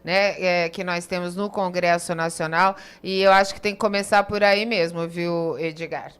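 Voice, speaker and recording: Woman, Brazilian Portuguese accent, smooth clear voice, radio host, affirming. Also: lowish voice, steady tone, moderate pace. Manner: warmly agreeing, brief affirmations. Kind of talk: radio talk-show hosting.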